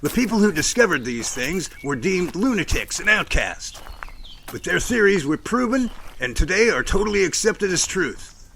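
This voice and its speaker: Man acting earnest professorial investigator, audio drama, slightly high pitch, gravelly, measured explanations, faint background noise. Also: big pitch swings, a bit bright, heavily acted. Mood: earnest, pondering. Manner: measured, explanatory, speech-making. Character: earnest, self-assured male Bigfoot investigator, professorial. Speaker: actor in a Sasquatch audio drama. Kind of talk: amateur audio drama dialogue.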